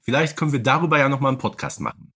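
A man's voice: medium pitch, racing, gravelly, fairly bright tone, breathy edge. Wry man co-hosting a casual podcast. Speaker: podcast host. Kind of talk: casual humorous fan podcast discussion.

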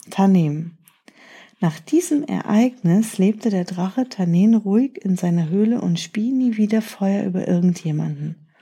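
A woman reading a children's story aloud in a gentle, even storytelling manner. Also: mid-range voice, breathy edge.

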